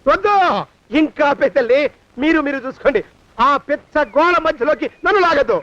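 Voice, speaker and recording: An actor playing a scolding, menacing servant and jealous husband in a film comedy. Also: male voice, extremely high pitch, animated, fairly quick, fairly bright tone, no room sound. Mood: gruff. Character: gruff threatening servant husband. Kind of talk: Telugu film comedy acting. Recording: dry, slightly dull film sound.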